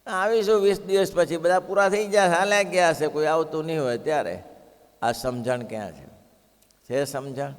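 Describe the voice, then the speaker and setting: A man's voice: on the high side, moderate pace. A man giving a devotional sermon, telling stories expressively and asking the listeners rhetorical questions. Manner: expressive, rhetorical questions, acts out quoted villagers. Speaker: religious discourse speaker. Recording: long hall reverb.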